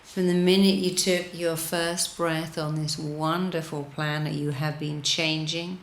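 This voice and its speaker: A woman leading a guided meditation in a soothing, deliberate manner, repeating gentle instructions with pauses. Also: low voice, level tone, roomy sound, slight background noise. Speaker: guided meditation leader, hypnotherapist.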